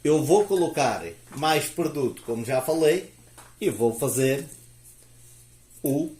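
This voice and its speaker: A man's voice: on the high side, lively intonation, slow pace, warm tone. A man from Portugal with a European Portuguese accent, hosting a casual how-to demonstration and chatting at length as he works. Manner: chatty, explains at length, frequent "né?" and "ó". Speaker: DIY video host. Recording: echoey room.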